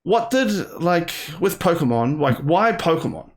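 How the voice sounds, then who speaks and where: Laid-back male host, slightly high voice, rambling, says "like" and "man" a lot. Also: sing-song, measured pace. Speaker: interview host. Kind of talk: casual interview chat.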